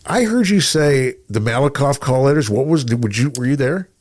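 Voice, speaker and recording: A man's voice: medium pitch, animated, normal speed, a little mellow. A middle-aged man chatting casually as a radio personality, rambling through anecdotes and voicing remembered remarks. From Texas, United States.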